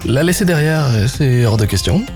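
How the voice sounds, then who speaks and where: A man's voice: on the high side, lively intonation, moderate pace, close to an everyday voice. A man playing a young, reluctant sidekick, dry and grumbling, in a visual novel with music behind. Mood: tense, dry.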